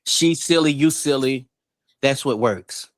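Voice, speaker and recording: A man's voice: medium pitch, slow pace, dry recording, studio quality. A man on a casual panel discussion, handing out advice in a descriptive way.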